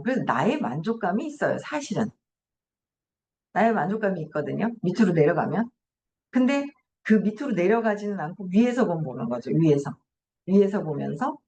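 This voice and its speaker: A woman's voice: medium pitch, a little mellow, a little hiss or hum. A middle-aged woman hosting a morning book talk, reading passages aloud and reflecting on them chattily. She often asks herself questions and laughs as she goes. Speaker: host.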